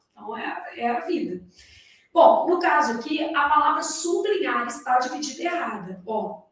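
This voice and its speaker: Her voice is high and fairly bright as she, a Brazilian-accented grammar teacher, lectures exam candidates on a recording. She teaches didactically, constantly throwing rhetorical questions at her students. The recording carries room echo, with the mic placed well away from her.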